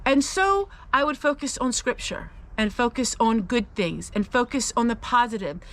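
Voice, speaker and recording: A woman's voice: a little high, lively intonation, normal speed, fairly bright tone. A woman sharing a personal Christian testimony, speaking in an earnest, confiding and emphatic way as she encourages listeners. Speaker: host of a faith-based personal vlog.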